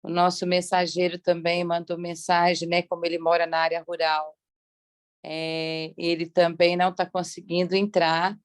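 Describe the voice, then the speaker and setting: A woman's voice: fairly low pitch, completely flat delivery, normal speed, smooth. A woman with a Brazilian accent hosts an online devotional informally and hesitantly, her voice strained by a lasting cough. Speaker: co-host of online prayer meeting.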